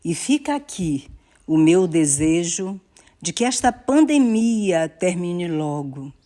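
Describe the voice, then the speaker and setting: A woman with a lowish, very soft-edged and mellow voice. She speaks at an unhurried pace, with formal, courteous phrasing, as a guest closing an interview.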